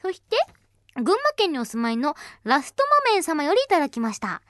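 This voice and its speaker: Bubbly high-voiced woman radio host. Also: sing-song, fairly quick, no room sound, clean studio sound. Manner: bubbly, chatty, laughs often. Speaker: radio host reading listener mail. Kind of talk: casual radio chat.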